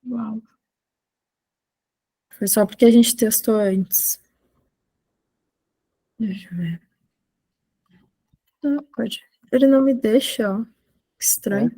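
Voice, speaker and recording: A woman's voice: fairly high pitch, steady tone, slow, pauses often, mellow, slightly rough, low-quality recording. Conversational woman presenting on a video call. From Argentina, living in Brazil. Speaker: photojournalist giving a talk. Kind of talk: informal online presentation of own work.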